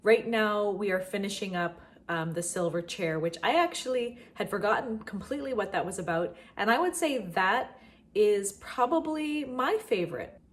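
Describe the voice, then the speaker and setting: A woman's voice: medium pitch, lively intonation, moderate pace. A middle-aged woman hosting a homeschool vlog, talking casually and directly to her viewers. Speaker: homeschool vlogger and channel host. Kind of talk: casual vlog talk to viewers about books.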